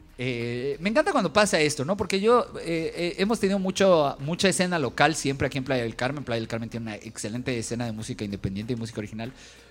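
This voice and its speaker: A man speaks in an animated tone at a very fast pace, with hardly any pauses. His fairly high pitch swings very widely. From Mexico City. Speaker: podcast host. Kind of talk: live music show hosting. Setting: venue with live audience.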